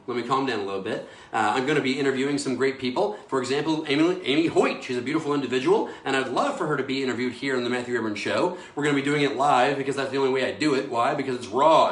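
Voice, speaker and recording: A man's voice: on the high side, fairly bright tone. A man hosting his own live video show, talking in an enthusiastic, preachy, rambling way with repeated declarations. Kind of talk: live casual monologue. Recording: echoey room.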